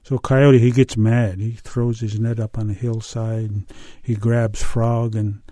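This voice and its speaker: An older man from the US Pacific Northwest telling a folk tale and talking about old recordings, in a halting, unhurried way with many pauses and fillers. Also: on the low side, flat delivery, mellow, no room sound, clean studio sound. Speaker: storyteller. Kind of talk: oral storytelling and interview.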